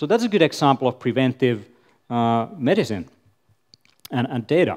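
Against a quiet background, a man with a Finnish accent talks at a moderate pace, his voice making very wide pitch swings. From Finland. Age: 30s. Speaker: conference speaker, author; conference speaker. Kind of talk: conference talk. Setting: stage with audience. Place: hall.

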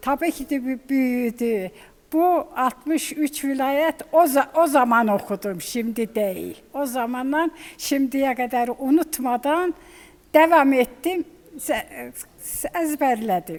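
This woman's voice sits high in pitch. She talks at a very slow pace. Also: ordinary pitch variation. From Kars, northeastern Turkey. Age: 80s+. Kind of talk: interview answer.

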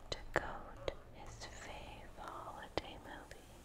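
Soft-spoken whispering at a very slow pace. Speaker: magazine reader. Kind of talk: soft-spoken reading aloud, ASMR-like. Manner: soft ASMR whisper reading aloud.

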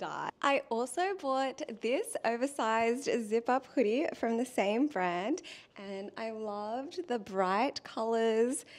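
Intonation is lively. A woman speaks at a very slow pace. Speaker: vlogger. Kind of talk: casual vlog chat. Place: home room. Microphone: lapel.

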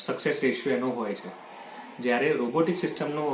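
A man talks in a space with audible room echo and noticeable background noise. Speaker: orthopedic surgeon. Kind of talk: explanatory interview.

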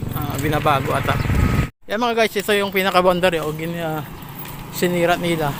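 Over noticeable background noise and audible room echo, a man with a high-pitched voice talks at a fairly quick pace with fairly even intonation. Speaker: vlogger. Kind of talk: walking travel vlog narration. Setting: outdoors, walking through town. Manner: casual, rambling with many fillers.

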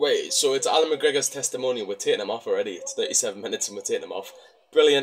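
Very fast speech from a man with a Geordie accent, big swings in loudness and light background noise. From Newcastle, northern England; northern England. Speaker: football vlogger; football fan streamer. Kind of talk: live match vlog commentary. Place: home room.

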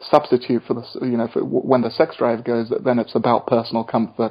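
The speaker talks at a moderate pace in a London accent. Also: man. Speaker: YouTube creator. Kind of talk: casual conversation.

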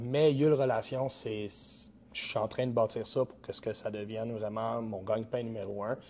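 With light background noise behind him, a man talks at a fairly slow pace in a normal speaking voice, medium in pitch with fairly even intonation. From Quebec. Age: 40s. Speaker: entrepreneur, networking group cofounder; podcast guest. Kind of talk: casual interview. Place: studio. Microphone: lapel.

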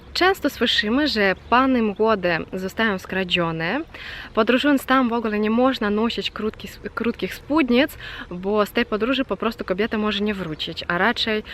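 A woman with a Russian accent speaks at a moderate pace, her fairly high pitch showing ordinary variation. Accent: Russian accent in Polish. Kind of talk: casual talk to camera.

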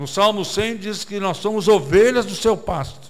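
A man with a high pitch at a fairly slow pace, over a quiet background. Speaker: preacher. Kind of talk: sermon. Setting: church with audience. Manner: animated, preaching with teaching illustrations and repetition for emphasis. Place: church. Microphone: handheld.

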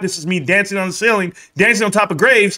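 A man speaks in a raised, projected voice with a bright, sharp tone at a fairly quick pace against a quiet background. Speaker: stock market streamer. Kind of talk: commentary. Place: home room.

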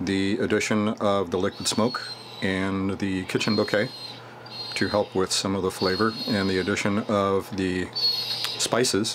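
Against noticeable background noise, a man talks at a fairly slow pace in a monotone, flat intonation with very even loudness. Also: fairly low pitch for a man. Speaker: home cook reviewer. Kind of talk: casual vlog chat, food review. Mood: relaxed, thoughtful, mildly amused. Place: kitchen. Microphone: phone near.

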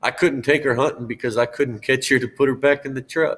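The man has a fairly high voice. He speaks with an American accent. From South Texas. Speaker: bobcat hunter and houndsman; guest. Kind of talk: casual chat. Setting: video call live stream. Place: home room.

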